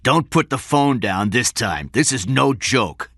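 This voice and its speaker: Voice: mid-range voice, sing-song, a little slow, bright, forceful tone, no room sound, clean studio sound, pitched above the performer's own voice, exaggerated voice. A narrator voicing a menacing male kidnapper on the telephone, hard and commanding. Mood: cold threatening.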